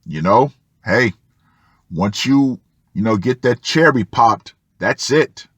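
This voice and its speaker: Man, online commentator, unhurried pace, dry close sound, drawn-out emphatic words, reading aloud. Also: mid-range voice, expressive, a bit bright, husky, no room sound. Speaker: host of an online commentary show.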